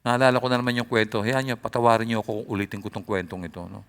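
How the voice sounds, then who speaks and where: A male pastor preaching a sermon in an animated way, his voice often rising loud. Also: lowish voice, racing.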